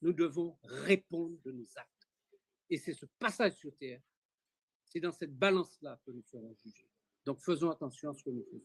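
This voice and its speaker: With long, frequent pauses and big swings in loudness, a man talks at a moderate pace in a fairly high pitch with ordinary pitch variation, the sound dry and close with no echo. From Congo. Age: 60s. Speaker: cultural speaker. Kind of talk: moral exhortation.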